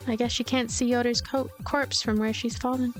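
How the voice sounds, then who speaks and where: A woman reading a game's story aloud as a let's play host, with expressive narration and casual asides. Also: a little high, normal speed, soft background music. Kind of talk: voiced narration with casual commentary.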